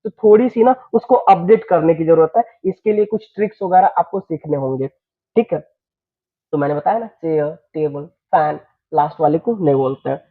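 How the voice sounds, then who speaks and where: A young man with a Bhojpuri-tinged Hindi accent, from eastern Uttar Pradesh, teaching an English class, often repeating himself and checking that his students follow. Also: high-pitched. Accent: Bhojpuri-influenced Hindi. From eastern Uttar Pradesh, India. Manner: repeats phrases, checks students understand, slows down for English sentences. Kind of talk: classroom lesson. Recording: tinny phone-like recording.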